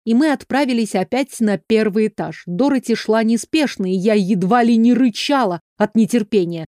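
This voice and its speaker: A woman narrating an audiobook in first person, in a measured, expressive reading on a close mic. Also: fairly high pitch, no room sound.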